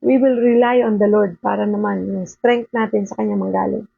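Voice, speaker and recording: A woman's voice: medium pitch, steady tone, normal speed, vocal fry, breathy edge, dry recording. An older woman at home giving an informal daily devotional talk, earnest and conversational, often checking in with a rhetorical question. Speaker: devotional speaker. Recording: narrow phone-like sound, dry.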